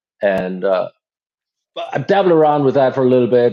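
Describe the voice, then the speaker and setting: A man's dark, mellow voice with a German accent. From Germany. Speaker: metal bassist. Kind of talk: casual interview chat.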